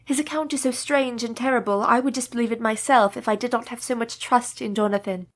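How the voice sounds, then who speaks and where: An actress in a radio play playing a devoted, capable young wife who speaks in a polite, earnest and formal way. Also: female voice, a little high, fairly even intonation, fairly quick, lightly acted.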